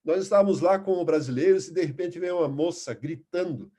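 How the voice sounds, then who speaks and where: A man's voice: fairly high pitch, a little fast, warm tone. A man teaching a Bible lesson, earnest and emphatic, stopping to restart words and reading scripture aloud. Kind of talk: Bible class lecture.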